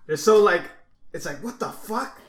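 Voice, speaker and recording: A man's voice: high-pitched, expressive, normal speed, fairly bright tone. A young man co-hosting a podcast, teasing his friend and asking questions in casual chat. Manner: teasing, questioning, reads items aloud. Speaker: podcast co-host.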